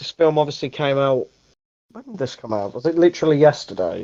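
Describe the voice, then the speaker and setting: A dark, mellow tone with a British accent. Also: man. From UK. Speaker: podcast host, film reviewer. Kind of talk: casual chat. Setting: recording at home.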